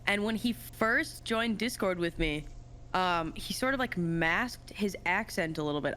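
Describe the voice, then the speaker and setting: Chatty woman with a Minnesota accent. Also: lowish voice. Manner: relaxed storyteller, frequent fillers and swearing. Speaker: podcast guest streamer. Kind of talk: casual chat.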